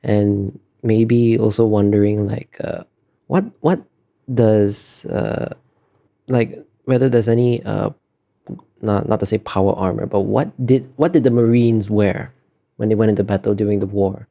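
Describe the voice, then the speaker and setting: Low-pitched, gravelly man thinking aloud. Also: steady tone, a little slow, warm tone. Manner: hesitant, thoughtful, searching for words. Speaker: artist being interviewed. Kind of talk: casual interview answers.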